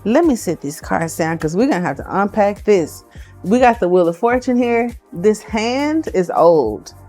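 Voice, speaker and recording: A woman doing a casual tarot card reading for her viewers, chatty and excitable as she thinks aloud. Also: medium pitch, normal speed, soft background music.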